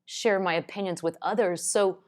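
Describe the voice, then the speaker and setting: A woman with a loud, outspoken voice gives an earnest, encouraging Christian teaching talk to camera. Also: medium pitch, fairly even intonation, normal speed.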